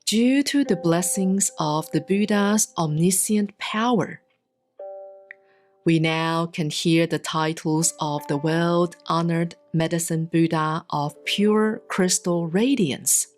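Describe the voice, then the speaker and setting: A woman reads a Buddhist sutra aloud in a solemn, scripted style, with measured, deliberate enunciation and long pauses. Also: on the low side. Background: instrumental music.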